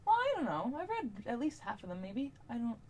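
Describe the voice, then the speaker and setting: A woman's voice: on the high side, huge pitch swings, a little fast, darkish tone, husky. Young woman, casual vlog chat, informal, rambling, self-deprecating. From Canada. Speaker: book vlogger.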